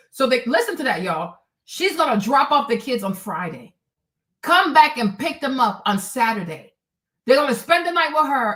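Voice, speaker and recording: A woman's voice: a little high, fairly bright tone. Sassy, blunt woman commentator. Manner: blunt, sassy, addresses viewers as y'all. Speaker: commentary vlogger reacting to a clip. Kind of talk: casual reaction commentary.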